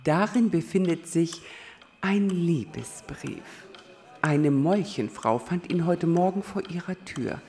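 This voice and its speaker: A woman voicing an earnest little creature explaining things with deliberate suspense in a children's audio drama. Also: on the low side, expressive, a little mellow. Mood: intrigued. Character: little creature from the chaos chamber, earnest storyteller.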